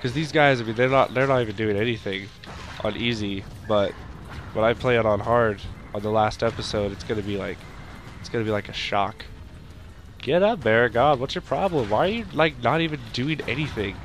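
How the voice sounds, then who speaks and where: A young man with a stuffy nose from a cold, rambling through casual let's-play commentary and shouting at the game now and then. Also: mid-range voice, brisk, soft background music. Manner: rambling, makes sound effects and shouts at the game.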